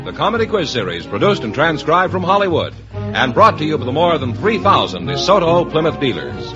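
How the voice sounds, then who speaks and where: Booming 1950s radio announcer. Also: male voice. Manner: booming, showy. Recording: dull old radio broadcast with music.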